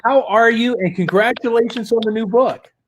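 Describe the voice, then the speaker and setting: A man's voice: very high voice, moderate pace, muffled recording, a little hiss or hum. A man hosting an author interview, reading an upbeat guest introduction and asking questions. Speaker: interview host.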